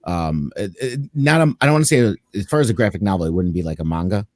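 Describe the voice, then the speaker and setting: A man's voice: deep voice, animated, quick pace, dry recording, studio quality. A man on a casual podcast, rambling through a story idea with frequent restarts. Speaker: podcast co-host. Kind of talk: casual chat.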